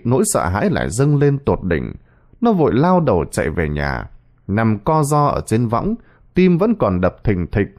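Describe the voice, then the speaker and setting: A man's voice: lowish voice, darkish tone. A man narrating a scripted horror story with a dramatic delivery.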